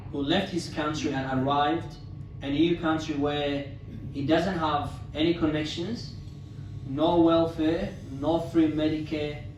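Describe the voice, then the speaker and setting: A man from Somalia in his thirties, giving a prepared, formal talk as a guest speaker at a club dinner, with measured delivery and occasional restarts. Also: fairly high pitch, far from the mic, a little hiss or hum. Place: club meeting room. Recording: echoey hall, speaker away from mic.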